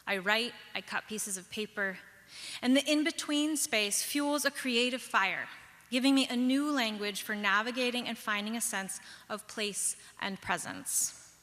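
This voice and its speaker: A young woman from the Pacific Northwest telling a personal story on stage, measured and reflective, with lilting pauses. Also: medium pitch, bright, forceful tone. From Pacific Northwest, USA. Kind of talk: personal story told live. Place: large hall, live stage. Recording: long hall reverb.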